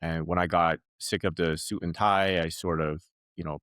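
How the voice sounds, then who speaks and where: A man from China, a guest, speaking in a relaxed, candid interview manner with many "like"s. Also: sits low, moderate pace, dry recording, clean studio sound. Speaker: guest, company founder. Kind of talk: casual interview talk.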